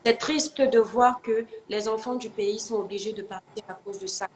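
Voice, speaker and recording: A woman's voice: medium pitch, fairly even intonation, normal speed, slight background noise. A woman hosting a live-stream call-in, chatting kindly with callers and showering them with blessings. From Cameroon. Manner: warm, blessing-filled, calls viewers "my star". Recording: echoey room.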